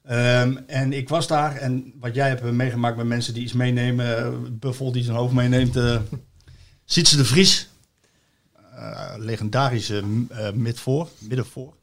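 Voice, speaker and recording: A Dutch man chats casually about football, spinning long anecdotes. His voice sits in an ordinary middle pitch, and he stumbles through many restarts and fillers as he goes. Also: steady tone, a little slow.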